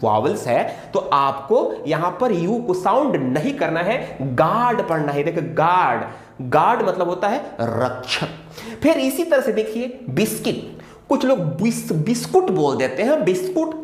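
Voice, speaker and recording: Lively, repetitive teacher in an echoey room. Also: medium pitch, unhurried. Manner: repeats points over and over, asks and answers own questions. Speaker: English teacher. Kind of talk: explaining spelling rules in a video lesson.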